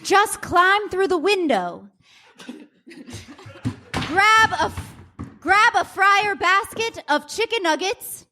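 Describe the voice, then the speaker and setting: A woman's voice: extremely high pitch, very animated, slow pace, pauses often, background noise, full character voice. A woman playing an earnest, pleading young mermaid princess in an improvised stage radio play. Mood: earnest, urging. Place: live comedy theater stage.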